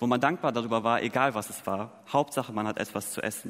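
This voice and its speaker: Here is a man with an ordinary speaking voice at medium pitch. He talks at a fairly quick pace with ordinary pitch variation. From Germany. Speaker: preacher. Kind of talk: sermon.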